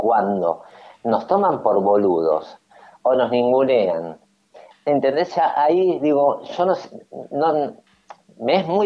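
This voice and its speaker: Very wide pitch swings mark this man's speech, delivered at a very slow pace. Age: 50s. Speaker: regular commentator. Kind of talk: opinionated radio chat. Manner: animated.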